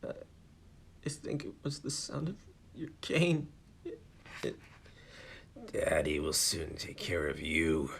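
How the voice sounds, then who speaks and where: A man voicing a distraught, bitter daughter who talks haltingly and breaks off mid-sentence. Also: rumbling low, very animated, creaky, slight background noise, heavily acted. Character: distraught middle-aged daughter, bitter and unhinged. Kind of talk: dramatic story reading.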